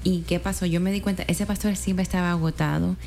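A woman co-hosting a casual faith talk, offering gentle and affectionate advice. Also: lowish voice, fairly even intonation, quick pace, gravelly, faint music behind.

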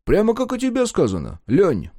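A man voicing a sly, unflappable older male storyteller who speaks with deliberate weight. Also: high-pitched, huge pitch swings, warm tone, no room sound, clean studio sound, pitched above the performer's own voice, exaggerated voice.

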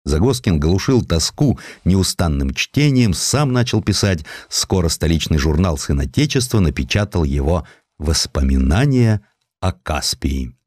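A man with a deep voice narrates a historical tale. His delivery is theatrical and highly animated, swinging widely in pitch like a storyteller acting out a literary piece. The sound is dry and close, with no room around it. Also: a little slow, dry recording. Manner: expressive, theatrical storytelling with acted quotes. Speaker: narrator, audiobook reader.

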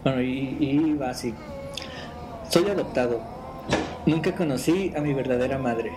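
A man's voice: medium pitch, measured pace, noisy background. A man hosting a podcast, chatting casually and reading stories aloud. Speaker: podcast host.

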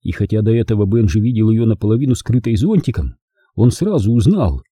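A man narrating an audiobook in a lively, expressive storytelling manner. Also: fairly low pitch, a little fast, husky, no room sound, clean studio sound. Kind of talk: scripted narration.

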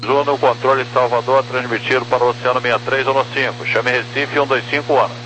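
Brazilian man, air traffic controller over CB-like radio, mid-pitched, clear hiss and hum, procedural delivery. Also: flat delivery, quick pace. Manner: procedural, formal, spoken over two-way radio. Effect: two-way radio, CB-like. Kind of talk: clipped radio phraseology. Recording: noisy radio transmission with hum.

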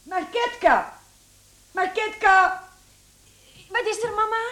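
An actress in a radio play voicing a young, excitable and flustered girl of the household. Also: very high voice, slow pace, exaggerated voice. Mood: alarmed. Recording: very noisy, echoey radio drama recording.

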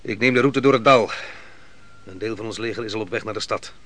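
An actor playing a proud, vengeful army commander in a radio play, with a boastful, commanding manner. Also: male voice, lowish voice, a little fast, fairly bright tone, lightly acted. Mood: confident.

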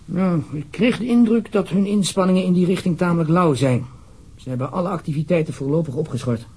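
A man's voice: a little high, a little fast, a little mellow, slightly rough. A man with a Netherlands Dutch accent playing an uneasy, formal government official in a radio drama, wordy and hesitant. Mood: concerned, persuasive.

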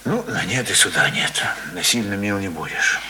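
A man's voice: on the low side, animated, moderate pace, close to an everyday voice. A man playing a plain-spoken, worried but kindly villager in a radio drama, muttering in colloquial rustic speech. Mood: resigned. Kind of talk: Soviet-style radio drama acting. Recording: hissy old radio play recording.

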